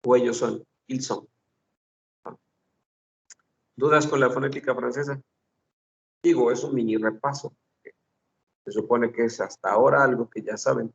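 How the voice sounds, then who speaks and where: A man's voice: medium pitch, fairly even intonation, a little slow, creaky, pauses often, far from the mic. A man teaching a French phonetics class, patiently repeating sounds and examples. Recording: dull lo-fi recording.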